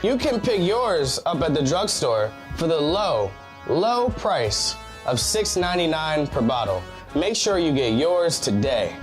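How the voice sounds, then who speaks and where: A man playing a quack doctor in a parody commercial, in a salesy pitchman manner. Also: big pitch swings, measured pace, soft background music. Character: slick quack doctor selling tonic.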